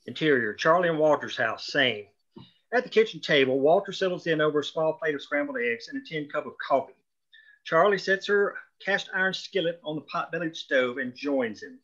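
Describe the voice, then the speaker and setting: A man's voice: fairly high pitch, animated, normal speed, a bit bright. A man reading stage directions as scripted narration at a table read. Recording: dull, lo-fi.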